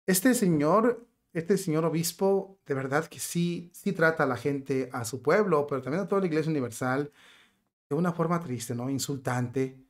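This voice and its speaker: A man's voice: on the high side, moderate pace. A man giving indignant religious commentary, reading out a news report and then arguing his case with pointed rhetorical questions. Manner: outraged, emphatic.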